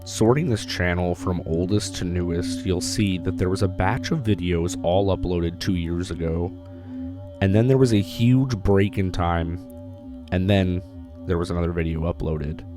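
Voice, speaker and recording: A man with a hoarse voice, recovering from illness, narrating a casual, blunt video commentary. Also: sits low, normal speed. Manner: casual, blunt, mildly profane. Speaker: YouTube commentator. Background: background music.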